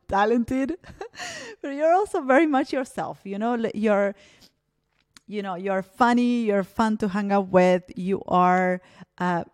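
A woman's voice: fairly high pitch, darkish tone, no room sound, studio quality. A woman from Argentina hosting a casual interview, talking reflectively with many fillers. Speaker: podcast host. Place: Berlin.

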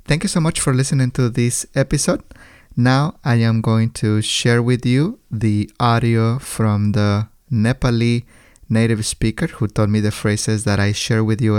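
A man hosting a podcast, explaining things to language teachers in a measured monologue with careful, chunked phrasing. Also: lowish voice, a little mellow, clear, resonant tone, no room sound, clean studio sound. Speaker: podcast host and language educator.

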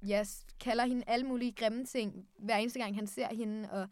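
A woman's voice: on the high side, fairly even intonation, a little mellow, dry recording, clean studio sound. A young woman in a casual book discussion who retells the plot hesitantly, with many fillers.

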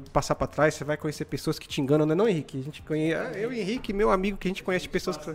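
A Brazilian man in his twenties hosting a live stream, telling stories in casual, slangy, animated motivational chat. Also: a little high. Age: 20s.

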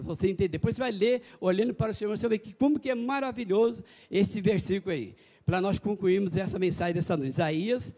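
Man, pastor, high voice, folksy animated sermon. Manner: folksy, animated preaching with calls to the congregation. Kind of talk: evangelical sermon.

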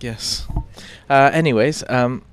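A man's voice: mid-range voice, slow, clear, resonant tone, no echo. A man with a British accent hosting a morning TV show, talking through news in a chatty, self-mocking way with fillers and restarts. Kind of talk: casual news chat.

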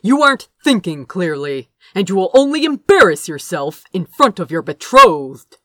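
A woman plays an arrogant royal older brother in a fantasy storybook. He is stern and condescending, with clipped commands and forceful, swinging intonation. The recording is close and dry. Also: lowish voice, sing-song, moderate pace, no room sound. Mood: irritated.

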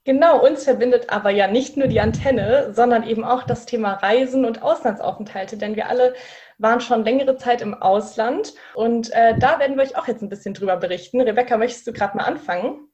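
A woman's voice: on the high side, brisk, dull audio. Young woman co-hosting a podcast. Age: 20s. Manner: relaxed, frequent fillers. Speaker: podcast co-host. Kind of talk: casual podcast chat.

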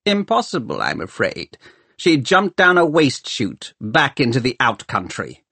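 A man's voice: mid-range voice, wildly swooping pitch, unhurried, gravelly, bright, forceful tone, slightly rough, dry recording, pitched above the performer's own voice, exaggerated voice. A man voicing a scheming male city ruler who speaks in a clipped, commanding way. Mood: cold command.

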